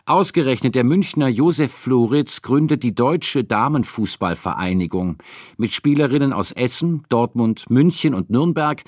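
A man's voice: medium pitch, lively intonation, moderate pace, darkish tone, no echo, clean studio sound. A man reading scripted documentary narration.

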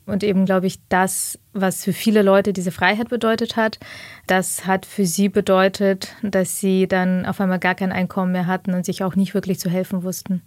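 A woman's voice: mid-range voice, level tone, moderate pace, darkish tone, dry recording, studio quality. A woman in her thirties, originally from Ukraine, thoughtfully telling her life story as a guest in an interview. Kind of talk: reflective personal interview.

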